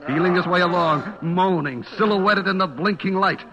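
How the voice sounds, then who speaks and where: A man's voice: sits high, moderate pace, lo-fi sound, crowd noise. An actor playing a terrified, guilty man on the run, telling his story in a breathless, dramatic old radio suspense style. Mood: panicked, frantic. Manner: breathless, dramatic, swinging from hushed dread to frantic cries. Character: terrified, guilty man hunted by a vengeful butcher. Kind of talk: 1940s-50s radio suspense acting, first-person narration. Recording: old-time radio broadcast with music behind. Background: dramatic music.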